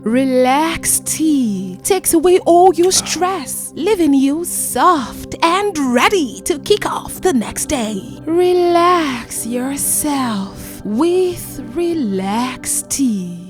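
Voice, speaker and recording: A woman giving slow, emphatic, playful commercial reads. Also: sits high, expressive, faint music behind.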